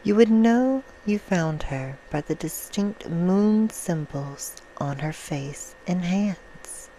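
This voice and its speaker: A woman playing a vampire who reads a bedtime story in a hushed, soothing ASMR roleplay style. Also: on the low side, animated, slow pace, a little hiss or hum, poor audio. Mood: soft, storytelling. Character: female vampire reading a soft bedtime story.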